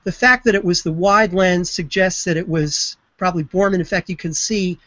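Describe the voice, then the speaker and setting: A man who studies spaceflight history retells an event with lively enthusiasm in an online video chat. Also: high voice, normal speed, no room sound. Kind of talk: storytelling explanation. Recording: slightly muffled web broadcast.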